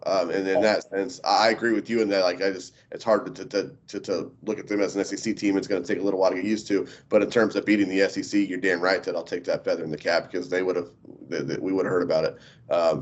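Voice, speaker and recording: A man's voice: low voice, steady tone, fast talker, a little hiss or hum. A man co-hosting a sports podcast, blunt and profane, with frequent filler ums. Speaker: podcast co-host. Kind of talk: casual sports chat. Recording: dull lo-fi podcast audio.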